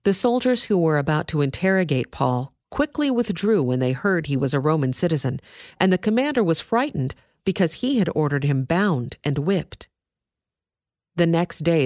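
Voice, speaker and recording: A woman narrating a scripture reading in a measured, expressive way. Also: low voice, no room sound, clean studio sound. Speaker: reader.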